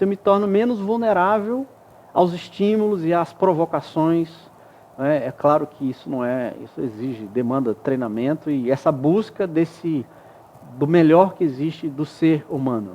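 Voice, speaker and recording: A man's voice: fairly high pitch, moderate pace, muffled recording, slight background noise. A man as a studio interview guest, explaining ideas patiently with examples and frequent tag questions. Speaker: guest expert.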